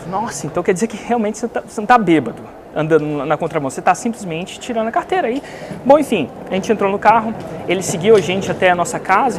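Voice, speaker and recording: With background noise behind him, a man with a Brazilian Portuguese accent, an online business coach, tells a story to make a point. His voice sits high, and he animatedly acts out what the other people in the story said.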